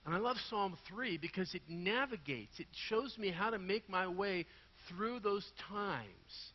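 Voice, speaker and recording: A man with a raspy, hoarse voice delivers a sermon in a church, his voice sitting a touch high. He moves between energetic loud passages and quiet, earnest asides. The sound is muffled and dull, with a long reverb from the hall. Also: measured pace. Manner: animated, swings from loud to quiet intimate asides. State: hoarse from a sleepless night. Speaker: guest pastor. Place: church sanctuary.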